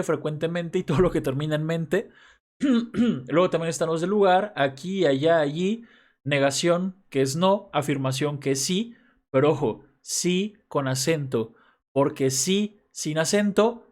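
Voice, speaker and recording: Conversational man teaching grammar. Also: on the high side. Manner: conversational, frequent checks with listeners. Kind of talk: casual grammar lesson.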